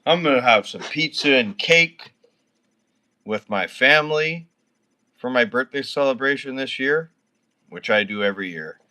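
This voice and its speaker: A drunk Canadian man in his thirties rambles and swears constantly on a casual livestream with viewers, his words slurred. His mid-range voice is animated and sharp, a little slow, with frequent pauses.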